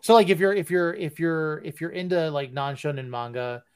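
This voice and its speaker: Man, podcast co-host, higher voice, dry sound, halting, lots of restarts. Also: clear, resonant tone, no echo. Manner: halting, many restarts and fillers. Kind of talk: casual podcast chat.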